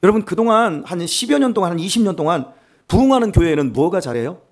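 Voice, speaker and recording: Husky, animated Korean pastor preaching. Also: male voice, high voice, fast. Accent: Chungcheong Korean. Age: older. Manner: animated, humorous, self-mocking preaching. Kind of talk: sermon. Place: church sanctuary.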